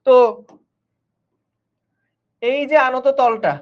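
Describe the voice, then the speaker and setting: A man's voice: very high-pitched, extremely slow. A man, teaching physics in an online class in a chatty way that keeps checking the students follow. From Bangladesh. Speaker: physics tutor. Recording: dull lo-fi stream audio.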